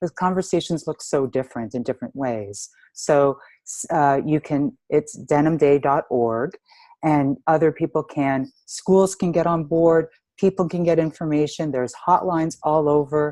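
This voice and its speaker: A woman's very deep, low voice in a Canadian accent, dark and mellow in tone, fairly slow with ordinary pitch variation, dry and close with no echo on a very clean, silent recording. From Toronto, Canada. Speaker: women's activist and city commissioner. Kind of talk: interview answer.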